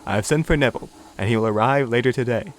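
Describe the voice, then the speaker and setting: A man voicing a formal railway boss who speaks in a measured, businesslike way. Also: mid-range voice, slight background noise, close to an everyday voice.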